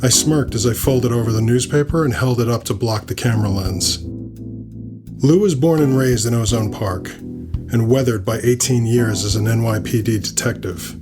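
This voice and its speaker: A male narrator reads first-person fiction in a dry, wry manner. His voice is mid-pitched, and music plays clearly behind him. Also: moderate pace.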